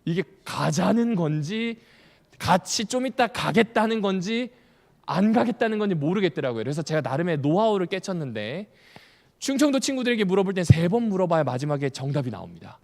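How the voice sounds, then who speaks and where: Lively pastor teaching in an echoing hall. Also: male voice, high-pitched, fairly quick, creaky. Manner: asks the audience questions and repeats key points; lively, with humorous asides. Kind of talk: Bible study lecture. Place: church hall. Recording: long hall reverb.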